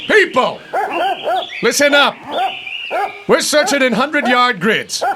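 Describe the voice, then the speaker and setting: Bossy, high-pitched police captain. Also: male voice, lively intonation, takes it slowly, heavy background noise, full character voice. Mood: barking orders. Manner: brusque, commanding. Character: gruff, bossy male small-town police captain. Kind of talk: horror audio drama acting.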